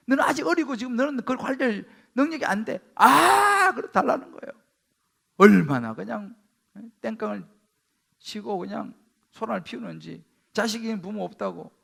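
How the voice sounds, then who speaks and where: High, gravelly-voiced man preaching dramatically. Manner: dramatic preaching with sharp swings between loud exclamations and hushed asides. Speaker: senior pastor. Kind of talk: Sunday sermon. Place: church sanctuary.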